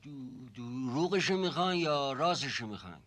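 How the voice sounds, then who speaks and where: A man's voice: medium pitch, expressive, fairly bright tone, natural voice. An actor playing a humble, hesitant older male servant in a TV comedy drama, stammering and evasive. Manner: stammering, evasive, fond of repeating himself.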